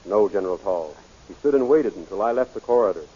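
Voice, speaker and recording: Villain's loyal officer, rough husky low voice, eager to obey, vintage radio drama. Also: male voice, animated, fast, mellow. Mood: deferential, earnest. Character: subordinate male army officer, dutiful henchman of a villain. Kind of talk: 1930s radio serial acting. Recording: muffled old radio recording.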